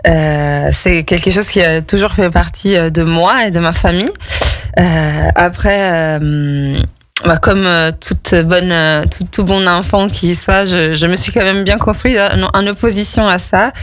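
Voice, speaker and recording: A woman's voice: on the low side, measured pace, no room sound. A woman from Italy, a native Italian speaker, answering casually as an interview guest and rephrasing as she goes. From Italy, Bologna region. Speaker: guest, yoga teacher.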